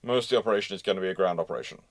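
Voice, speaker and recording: A man's voice: sits low, very fast. A man hosting a live history question session, talking discursively and repeating phrases as he searches for words. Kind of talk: live question-and-answer, thinking aloud.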